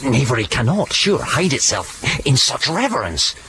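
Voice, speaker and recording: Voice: mid-range voice, very animated, moderate pace, sharp tone, slight background noise, low-quality recording. A reader voicing an astonished eavesdropping bachelor in exclaimed asides.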